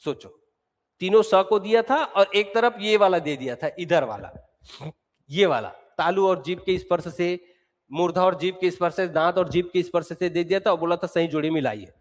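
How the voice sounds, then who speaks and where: A man's voice: high-pitched, moderate pace. A male teacher giving an exam-prep lecture, explaining step by step and repeating sounds aloud to drill them. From Chhattisgarh, India. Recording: long hall reverb.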